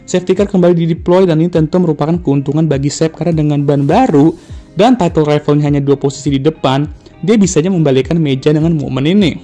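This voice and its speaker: This man's voice sits fairly high and sounds mellow. He recaps a motor race casually and jokingly, full of slang, like a YouTuber addressing his viewers, with faint music in the background.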